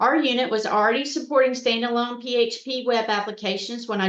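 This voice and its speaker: A woman speaks with an American accent. Her pitch is fairly high, with ordinary variation. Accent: Southern drawl, grows stronger as she talks. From US South. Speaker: programmer. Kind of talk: conference presentation; scripted recorded presentation.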